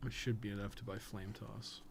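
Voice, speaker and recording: A man's voice: fairly low pitch, level tone, brisk, creaky. A young man giving casual live gaming commentary, thinking aloud in a rambling, mildly sweary way. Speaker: game streamer. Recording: noticeable background noise.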